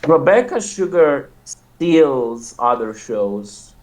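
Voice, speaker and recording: A man chatting casually on a call with an unhurried, halting delivery. He drags out his phrases and breaks into laughter between them. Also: medium pitch, sing-song, darkish tone. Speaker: guest on a call. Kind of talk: casual chat.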